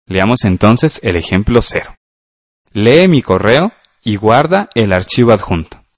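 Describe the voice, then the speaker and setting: Patient male teacher with a lively voice. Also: fairly low pitch, no echo, studio quality. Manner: patient, walks through exercises step by step with "ajá" and "¿verdad?". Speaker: radio class teacher. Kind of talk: radio lesson explaining grammar.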